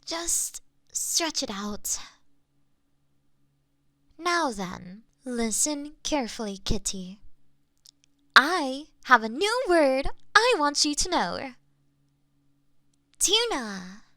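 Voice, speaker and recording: A woman playing a doting, playful cat owner in an intimate ASMR roleplay, cooing and gently coaxing as if to a pet, close on a binaural microphone. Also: sits high, sing-song, drawn-out words, long pauses, dry recording, exaggerated voice. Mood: bright, encouraging. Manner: cooing, teasing baby talk to a pet.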